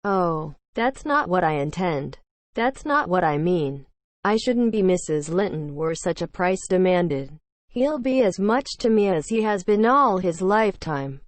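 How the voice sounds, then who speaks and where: Passionate, headstrong young lady of a classic novel, read by a female narrator: impetuous, declamatory, lowish voice, dry studio-like sound. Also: expressive, measured pace, no room sound. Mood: indignant, vehement. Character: passionate, willful young gentlewoman confiding her love.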